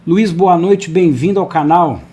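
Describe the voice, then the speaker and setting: A man's voice: a little high, unhurried, warm tone, husky. Friendly male host on a video call. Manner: friendly, chatty, asks viewers to engage. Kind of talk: live online interview.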